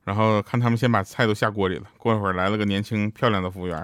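A man's voice: lowish voice, steady tone, racing, fairly bright tone, no room sound, clean studio sound. A man hosting a joke show, telling funny stories in a casual, chatty way and often asking listeners to agree. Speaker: radio joke show host. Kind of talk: casual comic storytelling.

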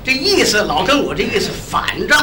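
A man's voice: high voice, fairly quick. A man, leading a comic crosstalk routine and briefly acting out each character in his story. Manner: lively, briefly acts out each character in the tale. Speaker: lead crosstalk comedian.

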